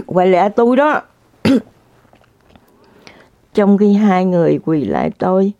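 A woman's voice: medium pitch, big pitch swings, takes it slowly, mellow, dry recording. Dramatic woman storyteller. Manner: dramatic, exclamatory, speaks straight to the audience. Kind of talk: casual storytelling to viewers. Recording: dull lo-fi dry recording.

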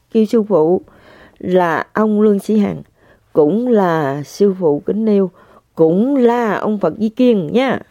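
Older woman, slow halting speech, mellow tone, emotional testimony, dull lo-fi recording. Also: mid-range voice, no room sound. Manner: emotional, halting, repeats herself. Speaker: religious practitioner sharing testimony. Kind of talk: personal spiritual testimony to listeners. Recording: dull lo-fi sound.

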